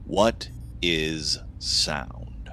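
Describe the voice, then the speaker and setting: An actor playing an engrossed, wry male scientist in an audio drama, joking and self-deprecating, excitable about his discovery. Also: a bass voice, extremely slow, a little hiss or hum, heavily acted. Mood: eager, explaining.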